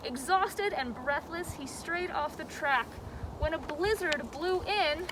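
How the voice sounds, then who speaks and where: A high-pitched woman hosts story time as a zoo educator, expressive and dramatic in her delivery. Clear outdoor noise, with some vehicle rumble, sits behind her voice. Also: takes it slowly. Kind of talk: animated children's storybook reading and educational talk.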